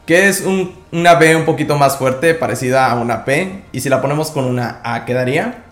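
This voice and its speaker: A man teaching a language lesson, calmly explaining each sound step by step. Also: on the high side, brisk, faint music behind. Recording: echoey room.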